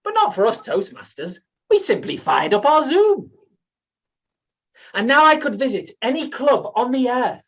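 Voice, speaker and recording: A man's voice: very high voice, sing-song, measured pace, fairly bright tone, far from the mic, lo-fi sound. A British man performing rehearsed comic storytelling in rhyme as a competition speaker, with a theatrical manner.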